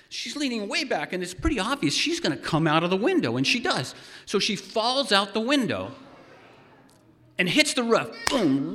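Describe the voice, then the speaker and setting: A man telling a wry, animated personal story to a live audience, building suspense. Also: high-pitched. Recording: long hall reverb.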